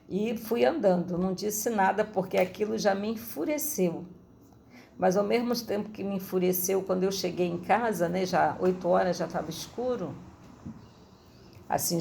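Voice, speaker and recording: A woman's voice: on the low side, vocal fry, warm tone, a little hiss or hum. A middle-aged woman missionary, giving a rambling personal testimony full of tag questions.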